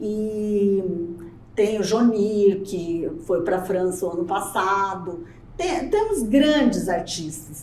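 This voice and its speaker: Her words come very slowly. This woman's voice carries audible echo from the room. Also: medium pitch for a woman, ordinary pitch variation. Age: 60s. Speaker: visual artist. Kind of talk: interview.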